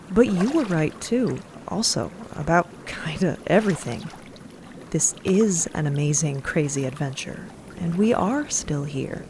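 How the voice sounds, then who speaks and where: An actress playing a fond, reassuring wife in an audio drama, speaking gently and conversationally. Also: female voice, low-pitched, background noise. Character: Mickey, fond, reassuring woman, adventurous spouse. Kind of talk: audio drama acting and narration.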